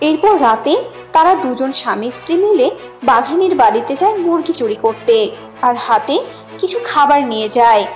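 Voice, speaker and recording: A woman's voice: sits high, animated, moderate pace, soft background music. A woman narrating a scripted cartoon animal tale as the storyteller.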